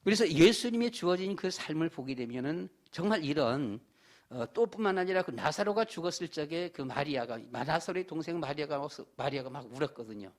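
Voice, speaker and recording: A man's voice: a little high, lively intonation, a little fast. Man preaching a folksy sermon. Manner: folksy, repetitive preaching with many "보게 되면" fillers. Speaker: pastor. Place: church sanctuary.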